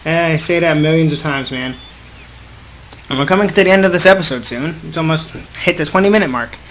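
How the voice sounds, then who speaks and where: Hosting a gaming video, a man with a slightly high, fairly bright voice reads visual novel text aloud. His informal, somewhat halting delivery breaks off for his own casual remarks, and background noise is clearly audible behind him.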